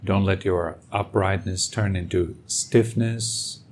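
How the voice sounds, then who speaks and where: A man leading a guided meditation as a teacher, speaking gently and soothingly with long pauses, over music. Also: low-pitched, fairly even intonation, a little hiss or hum. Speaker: meditation teacher and podcast host. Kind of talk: guided meditation, calm instruction.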